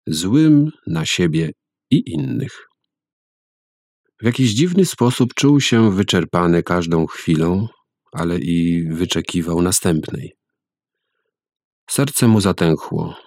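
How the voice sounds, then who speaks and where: A man narrating a story aloud in a measured, calm reading voice. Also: deep voice, no room sound, clean studio sound.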